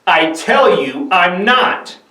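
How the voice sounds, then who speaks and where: Man acting agitated, defensive disciple, raised pitch, echoey. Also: very animated, slow, pushed and bright, heavily acted. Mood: panicked denial. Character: Peter, frightened defensive disciple denying his friend. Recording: echoey room, distant microphone.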